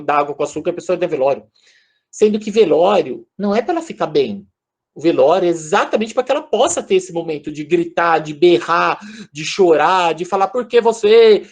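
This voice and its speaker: Over a video call, a Brazilian-accented man gives an informal online lecture in a high voice. He's conversational and animated, repeatedly speaking straight to his listeners.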